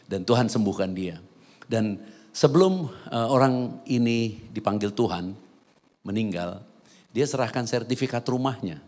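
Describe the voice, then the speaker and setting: A man's voice: fairly low pitch, lively intonation, measured pace, darkish tone. A man preaching a sermon as pastor, telling a personal story and then building to fervent exhortation in a church hall.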